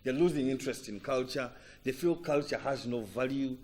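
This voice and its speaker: A man's voice: mid-range voice, darkish tone. A man with a Ugandan accent interviewing conversationally, feeling his way through questions with repeated words. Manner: halting, repetitive questioning. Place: TV breakfast show interview.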